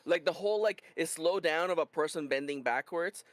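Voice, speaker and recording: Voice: medium pitch, a little fast, dry recording. A streamer who is not a native English speaker, with a slight Californian accent, chatting casually, reading out chat and often restarting words. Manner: stammering restarts, reads chat aloud. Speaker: streamer co-host.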